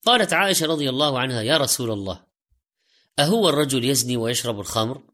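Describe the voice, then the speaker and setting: Bright-voiced male preacher in formal standard Arabic. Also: medium pitch, expressive, quick pace. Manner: exhorting, rhetorical questions and repeated direct appeals.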